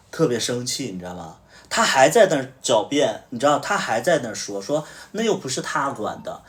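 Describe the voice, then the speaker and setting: A man's voice: medium pitch, sing-song, moderate pace, recorded from a distance. A man hosting a livestream, casually telling a story and acting out what each person said. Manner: recounts events through reported dialogue. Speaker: livestream host.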